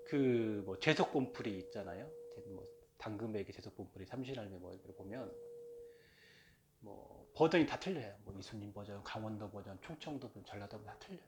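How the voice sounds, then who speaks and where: A man's voice: fairly low pitch, lively intonation, fairly quick, noisy background. Rambling, chatty man lecturing casually. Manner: rambling and chatty, with many fillers and self-aware jokes; playfully mimics regional dialects. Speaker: channel host talking about folk religion.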